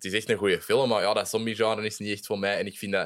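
A man's medium-pitched voice with a Flemish accent, in a very clean recording with a silent background. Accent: Flemish Dutch. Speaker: podcast host. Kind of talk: casual chat and script reading.

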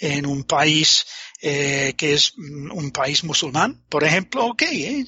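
A man with an English accent talks at a very slow pace. His intonation is lively. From England. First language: English (speaking Spanish). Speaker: retired oil executive. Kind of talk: interview. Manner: halting.

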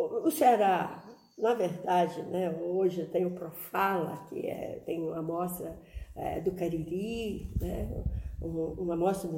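A woman speaks at a medium pitch with fairly even intonation over noticeable background noise. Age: 70s. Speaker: linguistics professor. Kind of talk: interview monologue. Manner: halting.

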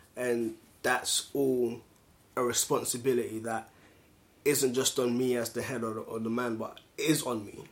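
Speaking with a London accent, a man keeps a medium pitch at a moderate pace. His intonation is monotone and flat. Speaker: podcast co-host. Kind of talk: casual chat.

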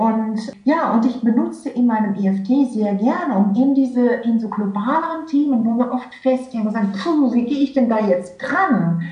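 The woman speaks at a fairly high pitch with ordinary pitch variation. Both audible room echo and noticeable background noise can be heard. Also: moderate pace. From Netherlands. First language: Dutch (speaking German). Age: 50s. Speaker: EFT trainer and therapist. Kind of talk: interview. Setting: phone call. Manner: hesitant, many fillers.

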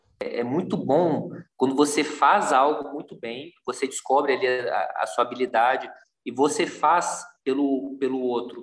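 A fairly high male voice moves at a fairly slow pace. The pitch varies in an ordinary way. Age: 40s. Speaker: former course student, YouTuber. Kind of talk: interview podcast. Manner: halting, many repetitions.

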